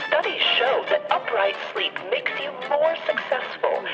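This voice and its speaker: An actress playing a polished, chirpy broadcast presenter in an audio drama, with an effusive, presentational delivery. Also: female voice, high-pitched, expressive, a little slow, muffled recording. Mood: salesy. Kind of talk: radio advert and live broadcast hosting. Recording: band-limited radio broadcast over music.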